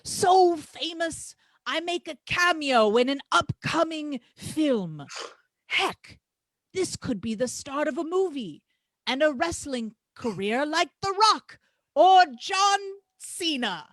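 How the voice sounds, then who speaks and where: A brash, boastful male wrestler played by a woman cuts a promo in a high, dry-sounding voice. The delivery is slow and emphatic, full of crude taunts and grand self-praise. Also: expressive, fairly bright tone, no echo, full character voice. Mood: boastful, grandiose. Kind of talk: staged reading of wrestling promos.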